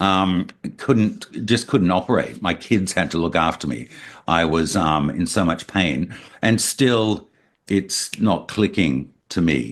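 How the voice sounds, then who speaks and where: A man speaks at a very slow pace with a very deep, low pitch, vocal fry and lively intonation. The recording is very clean, with a silent background. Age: 60s. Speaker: abuse survivor and writer. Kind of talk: podcast interview. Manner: halting.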